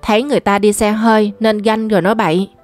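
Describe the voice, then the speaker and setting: A woman's voice: medium pitch, fairly even intonation, fast, soft background music, lightly acted. A woman voicing a pampered young girl who grumbles back at her brother. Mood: petulant. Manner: petulant, grumbling. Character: young girl, pampered half-sister, petulant.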